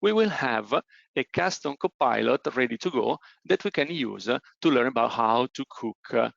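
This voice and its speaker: A man with an Italian accent presenting a technical software webinar demo, explaining step by step with frequent "uh" hesitations. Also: medium pitch, lively intonation, moderate pace, creaky, no room sound, highs cut off. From Italy.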